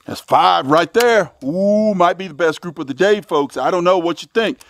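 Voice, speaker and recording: A man's voice: high voice, normal speed, slight background noise. A middle-aged American man hosting a shooting video outdoors, commenting casually to viewers in a folksy, exclamatory way. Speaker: host of a shooting range video channel. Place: outdoors at a covered shooting range.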